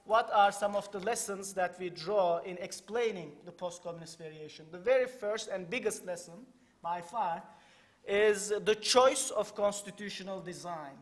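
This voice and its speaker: A man with as his gives a measured, halting conference lecture in a hall, with frequent fillers. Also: high-pitched. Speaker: academic lecturer.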